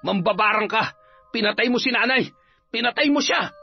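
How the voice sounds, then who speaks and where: A man playing a bitter, hot-tempered young man who talks in a quick, sneering way. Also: fairly high pitch, expressive, vocal fry, breathy edge, full character voice. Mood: bitter, angry. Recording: slightly dull, faint music.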